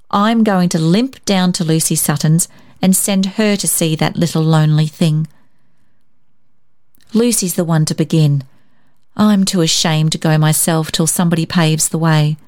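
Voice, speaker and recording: A woman's voice: on the low side, darkish tone, natural voice. A woman voicing a forthright, proud village aunt humbly confessing, in a storybook reading.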